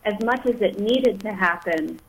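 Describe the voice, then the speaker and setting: A woman's voice: mid-range voice, normal speed, slight background noise, low-quality recording. A woman speaks as a guest on a radio show in a radio studio. She talks casually about teaching, starting and restarting her sentences as she works out her thoughts. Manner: hesitant, restarts sentences often. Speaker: author and writing instructor, guest. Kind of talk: casual radio interview talk.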